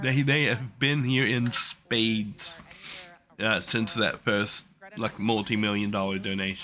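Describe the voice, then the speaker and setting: A man with an American accent at a fairly slow pace, fairly even intonation, and noticeable background noise. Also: medium pitch for a man. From US South. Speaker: VTuber streamer. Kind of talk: casual commentary.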